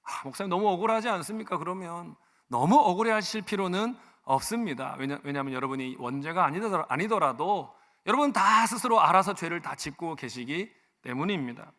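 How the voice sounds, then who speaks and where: A male senior pastor preaching a sermon, talking conversationally with personal stories and switching between soft asides and loud emphasis. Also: on the high side, animated, brisk. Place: church sanctuary. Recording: long church reverb.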